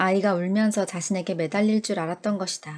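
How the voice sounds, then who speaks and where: In a very clean recording with a silent background, a woman with a normal speaking voice talks at a moderate pace, medium pitch and fairly even intonation. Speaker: audiobook reader. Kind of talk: audiobook narration. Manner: soft, calm, sleep-inducing.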